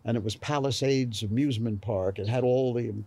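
Older man, mellow and rambling. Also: mid-range voice. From New York. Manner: slow, rambling recollection with fillers. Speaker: author. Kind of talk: oral history interview.

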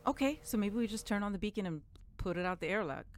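A woman taking part in a tabletop role-playing game, speaking excitably. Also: mid-range voice, quick pace. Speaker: player. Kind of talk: tabletop role-play as a character.

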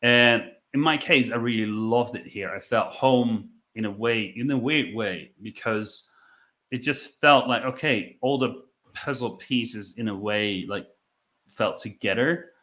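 A man in his thirties from the Netherlands with a Dutch accent, telling his story conversationally as a podcast guest, in a reflective way with halting phrasing and repeated words. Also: mid-range voice, pushed and bright. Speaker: podcast guest, business owner.

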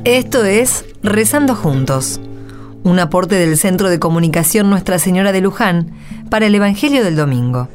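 A woman's voice: lowish voice, lively intonation, normal speed, over music. A woman narrating a radio play from a script.

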